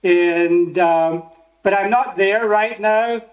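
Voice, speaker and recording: An older man from Scotland with a Highland accent, giving a keynote by video call and asking the audience questions. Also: slow, roomy sound. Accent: Scottish Highland. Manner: interactive, asks the audience questions. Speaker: keynote speaker. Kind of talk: conference keynote over video link. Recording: dull lo-fi video call audio.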